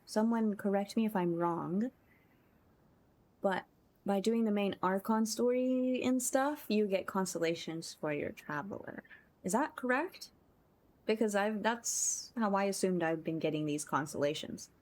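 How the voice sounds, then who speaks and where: A woman's voice: mid-range voice, measured pace, a little mellow. A woman livestreaming a game, chatting casually and effusively with her viewers and thanking them often. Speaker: game livestreamer and content creator. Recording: music playing behind the voice. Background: music.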